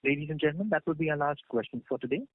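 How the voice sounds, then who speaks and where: A man's voice: fairly high pitch, rapid-fire. A man moderating a conference call as the operator, formal and polite in a scripted style over a telephone line. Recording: dry narrowband phone line.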